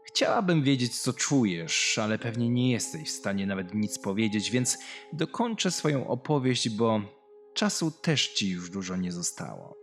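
A man's voice: on the low side, big pitch swings, normal speed. A man voicing a cold young woman killer who recounts her past in a confessional, menacing way in a horror story. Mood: brooding, haunted. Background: music.

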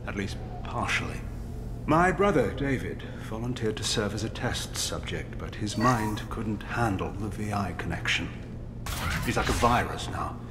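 An actor as grave, low-voiced scientist. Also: male voice, noisy background, natural voice. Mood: urgent, defensive. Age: middle-aged. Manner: formal, measured, articulate. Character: grave middle-aged male chief scientist, guilty but defensive. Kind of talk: scripted video game dialogue.

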